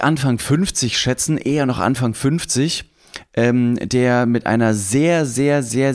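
Man, podcast co-host, casual storytelling, mid-range pitch, enthusiastic, repeats himself. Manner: enthusiastic, rambling, with many repeats.

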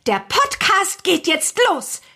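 A woman's voice: extremely high pitch, huge pitch swings, slow pace, full character voice. A woman voicing a cheery young girl witch chanting a spell in a children's audio drama jingle. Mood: playful, chanting. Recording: music under the voice.

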